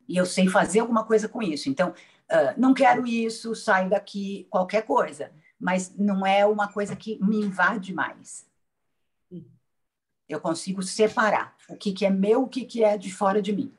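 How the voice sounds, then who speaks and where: A woman from Brazil talks through her experience in a roundtable. Her pace is unhurried and reflective, and she often restarts a phrase. Her voice sits at a middle pitch. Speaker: patient. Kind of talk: casual roundtable testimony.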